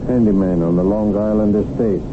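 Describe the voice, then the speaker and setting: Under heavy noise on a thin old radio recording, a man plays a foreign-born chauffeur in a radio play. His low voice has a foreign accent and stays formal, precise and coolly deferential. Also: steady tone, a little fast, close to an everyday voice. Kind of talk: 1970s radio drama acting. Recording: very noisy, phone-like old radio broadcast.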